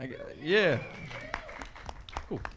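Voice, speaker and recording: A man speaks over crowd noise in the background. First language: not English. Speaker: voice actor. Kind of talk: convention panel talk. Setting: stage with audience.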